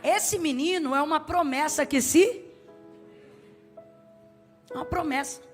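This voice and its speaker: High-voiced woman preaching. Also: takes it slowly, faint music behind. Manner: emphatic, swings from soft to loud; asks the congregation to respond. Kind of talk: sermon.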